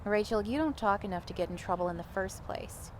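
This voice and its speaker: A woman acting a sharp-tongued, sarcastic young woman in an audio drama, blunt and defensive of her friends. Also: medium pitch, a little fast, lightly acted. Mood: exasperated, sarcastic. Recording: faint outdoor ambience noise.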